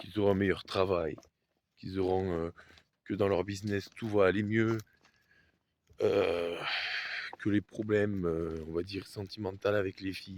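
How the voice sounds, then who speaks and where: In a very deep, low voice, a man talks at a very slow pace. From France, Aveyron. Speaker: YouTuber, expat vlogger. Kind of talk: vlog monologue. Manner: hesitant, many fillers.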